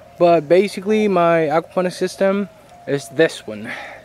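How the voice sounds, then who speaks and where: With a Spanish accent, a man talks at a fairly slow pace and ordinary pitch variation. There is noticeable background noise. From Nicaragua. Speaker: hobby aquaponics grower. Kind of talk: video tour of his system. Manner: halting.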